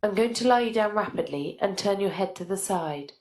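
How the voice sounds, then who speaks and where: A woman's voice: medium pitch, animated, a little fast, darkish tone. A woman acting as a clinician, giving polite, simple step-by-step instructions to a patient. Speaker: clinician demonstrating an examination. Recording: echoey room.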